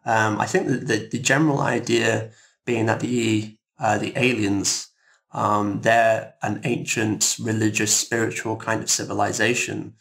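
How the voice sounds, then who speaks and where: Low, creaky-voiced man, halting and reflective. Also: level tone, fairly bright tone. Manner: halting, reflective, often repeats words. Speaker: composer interviewed as a guest. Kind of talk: thoughtful roundtable discussion.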